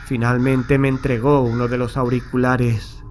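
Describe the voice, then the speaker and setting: A man's voice: mid-range voice, little pitch movement, normal speed, darkish tone, natural voice. A haunted man from played by an actor tells his horror tale in a mid-range voice. His delivery is grave, literary and anxious, over a faintly noisy night backdrop. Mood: grave recollection. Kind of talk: first-person horror audiobook narration. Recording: faint night ambience behind the voice.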